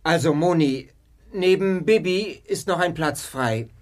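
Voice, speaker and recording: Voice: mid-range voice, a little slow, close to an everyday voice. An actor playing a stern schoolteacher in a children's audio drama, speaking formally and admonishing the class. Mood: instructing. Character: stern adult schoolteacher scolding and instructing a class.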